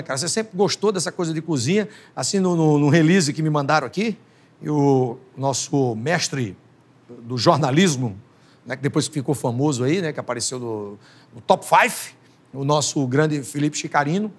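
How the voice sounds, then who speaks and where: A man in his forties hosting a TV talk show, joking and telling stories in an animated way. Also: a little high, normal speed, slightly rough. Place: TV studio, indoors.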